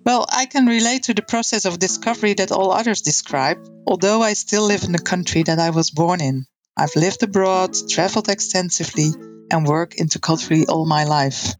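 A woman's voice: lowish voice, brisk, soft background music, low-quality recording. A woman from the Netherlands co-hosting a podcast, narrating steadily and reflecting on her own life. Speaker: podcast co-host. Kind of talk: scripted narration.

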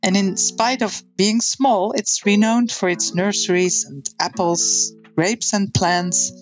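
A woman's voice: on the low side, poor audio. A woman from the Netherlands co-hosting a podcast, narrating steadily and reflecting on her own life. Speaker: podcast co-host. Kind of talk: scripted narration.

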